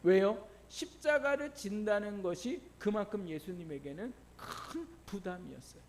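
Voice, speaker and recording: A man's voice: sits high, expressive, normal speed, slight background noise. A middle-aged pastor preaching a sermon. He asks the congregation questions, answers them himself and laughs through personal stories.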